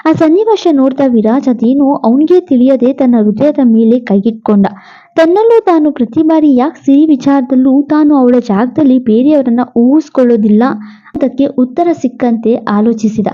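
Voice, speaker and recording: A woman narrating a romance story in a brisk, expressive reading style. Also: high-pitched. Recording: dull lo-fi audio.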